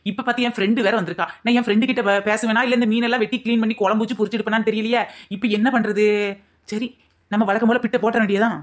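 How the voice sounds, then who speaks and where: A woman voicing a clever, theatrical young daughter-in-law in a cartoon comedy, talking fast and scheming. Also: fairly high pitch, close to an everyday voice. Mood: busy. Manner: rapid, scheming, mock-tearful when flattering.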